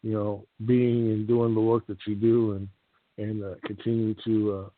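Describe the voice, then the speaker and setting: A man's voice: fairly low pitch, level tone, moderate pace, dry recording. A man from California calling in to a radio show over a clipped phone line, earnest and grateful, searching for his words. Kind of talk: casual call-in chat. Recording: tinny, dry phone line.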